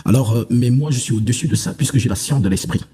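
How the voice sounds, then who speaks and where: A man with a very husky, breathy voice and a mellow, dark tone speaks at medium pitch. He preaches his case in a televised debate, sure of himself and dismissive of his opponent. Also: fast talker. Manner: self-assured, boastful, dismissive.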